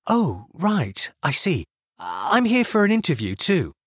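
A man's voice: a little high, huge pitch swings, measured pace, slightly rough, no room sound, studio quality, pitched above the performer's own voice, exaggerated voice. A man voicing a flustered, polite young woman who hesitates and slips over her words.

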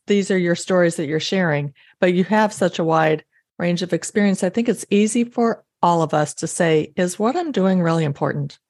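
A woman's voice: on the low side, darkish tone, no room sound, clean studio sound. A woman hosting a faith podcast, speaking, affirming and eager, often speeding up in bursts. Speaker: podcast host. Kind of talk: casual faith interview.

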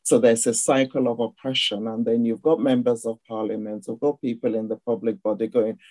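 A woman with a Nigerian accent, a guest speaker explaining ideas in a measured way on a video call. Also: a bass voice, steady tone, dark tone, no echo, poor audio. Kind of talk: online discussion session.

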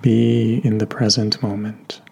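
Slow, low-voiced man guiding meditation. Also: little pitch movement, gravelly, husky. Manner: gentle, unhurried instruction with long pauses. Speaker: meditation guide. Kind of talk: guided meditation narration. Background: soft background music.

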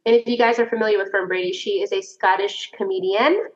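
A woman's voice: mid-range voice, fairly even intonation, fast. A woman co-hosting a book podcast, talking casually and chattily, laughing often and swearing now and then. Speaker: podcast co-host. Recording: echoey room, dull lo-fi sound.

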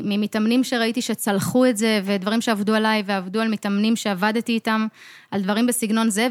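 A woman's voice: a little high, no echo. Earnest woman coach, dry close sound. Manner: earnest, explanatory, acts out inner voices. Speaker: podcast co-host, coach. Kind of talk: casual podcast chat.

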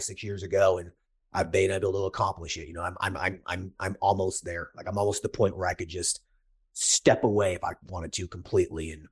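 A man's voice: low voice, husky. A man in his thirties hosting a podcast, giving casual business coaching in a blunt, emphatic way and repeating his key points.

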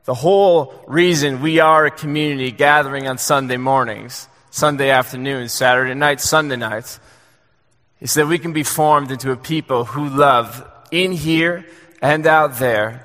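A young adult man preaching a sermon in a church, earnest and halting, with many fillers and restarts. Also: mid-range voice, fairly bright tone. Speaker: pastor. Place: church sanctuary. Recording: long hall reverb.

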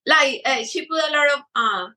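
A woman's voice: high-pitched, lively intonation, moderate pace, pushed and bright, low-quality recording. A middle-aged woman guest speaking in a casual interview, hesitant with many fillers and restarts. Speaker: guest baker.

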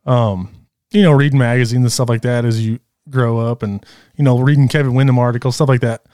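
A man in his thirties, a guest in a casual interview, talking in a relaxed, candid way. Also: mid-range voice, fairly quick, smooth, dry recording, clean studio sound. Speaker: guest rider.

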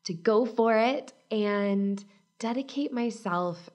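A woman in her thirties hosting a casual solo podcast, upbeat and chatty, her voice husky from a cold. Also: medium pitch, slow, a little mellow. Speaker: podcast host and business coach.

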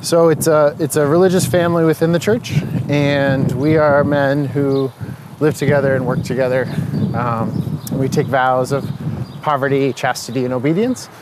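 A man's voice: medium pitch, steady tone, normal speed, heavy background noise. A man who is a religious brother, chatting in a friendly, easygoing way and laughing easily. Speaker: Jesuit brother, interviewer. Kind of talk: casual conversation.

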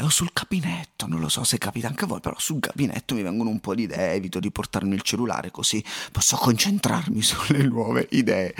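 A man hosting a solo podcast from his home loft, giving tips in a playful, expressive way. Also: mid-range voice. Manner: lively and expressive, playful asides. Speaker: podcast host.

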